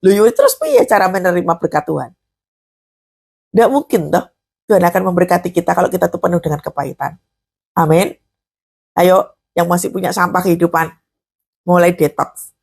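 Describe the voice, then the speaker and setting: A woman's voice: lowish voice, big pitch swings, a little fast, creaky, long pauses, darkish tone, breathy edge. A woman preacher and counselor with a Javanese-inflected accent, giving a morning devotional sermon in a conversational way, asking questions and answering them herself. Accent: Javanese-inflected Indonesian.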